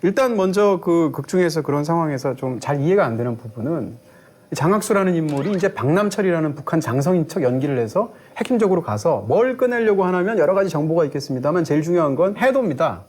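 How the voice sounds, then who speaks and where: A middle-aged man with a fairly high, very animated voice, talking quickly as a film critic. He builds long explanatory arguments in a fluent, lecturing way, with faint music under him. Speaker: film critic co-hosting a movie review show. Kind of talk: analytical film review discussion.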